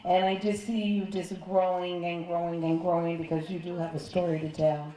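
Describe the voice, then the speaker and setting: A woman hosting an awards ceremony, giving emphatic, drawn-out praise with repeated words. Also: on the low side, level tone, warm tone. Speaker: ceremony host. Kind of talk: emcee remarks at an awards ceremony. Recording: echoey hall with faint crowd.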